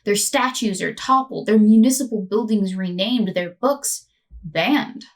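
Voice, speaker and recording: A woman's voice: mid-range voice, a little slow, recorded from a distance. A woman host narrating a scripted commentary video with a sardonic, mocking edge.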